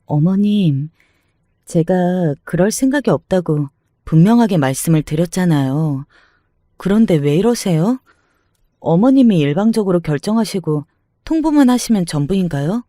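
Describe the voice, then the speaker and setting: A man voicing a calm, cutting young newlywed daughter-in-law who answers politely but sarcastically. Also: sits high, moderate pace, no echo, clean studio sound. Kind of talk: dramatized story reading.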